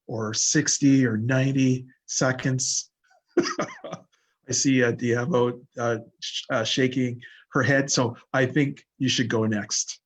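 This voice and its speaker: A man's voice: medium pitch, fairly even intonation, slow pace. A man moderating a panel discussion, hesitant, with many filler sounds.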